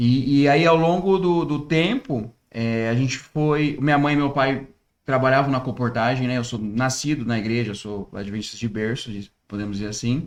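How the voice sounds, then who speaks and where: A man's normal speaking voice at medium pitch, moderate pace and ordinary pitch variation, with hardly any pauses. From interior of São Paulo state, Brazil. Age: 30s. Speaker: church elder and youth leader. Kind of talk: podcast interview.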